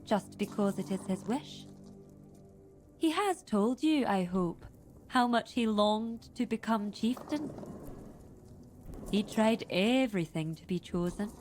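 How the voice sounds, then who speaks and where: A woman voicing a proud, reluctant tribal chieftain in a fantasy game, speaking in deliberate, formal, wary phrases. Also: medium pitch, animated, a little mellow, a little hiss or hum, close to an everyday voice. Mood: wry, guarded. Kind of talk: dramatic fantasy game dialogue. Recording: music behind the voice.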